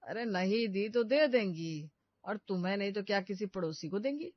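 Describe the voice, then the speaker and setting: A woman voicing an easygoing young husband who talks in a relaxed, soothing way, in a dry, dull recording. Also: medium pitch, normal speed, no room sound, lightly acted.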